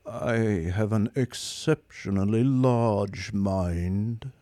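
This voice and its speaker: A man voicing a gloomy, depressed male robot who drones slowly and hopelessly. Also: on the low side, dark tone, dry recording. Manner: droning, slow, mournful.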